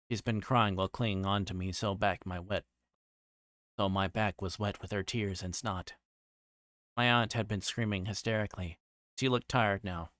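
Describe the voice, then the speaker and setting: A man's voice: fairly low pitch, a bit bright, dry recording, clean studio sound. A man livestreaming a visual novel, reading the narration aloud with casual asides and occasionally stumbling over and repeating lines.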